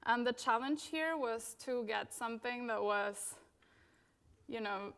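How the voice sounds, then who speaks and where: A woman's voice: on the high side, measured pace, a bit bright, smooth. A woman in her thirties from Venezuela giving a casual conference talk about her design career, with many fillers. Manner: casual, many fillers, frequent "you know" and "like".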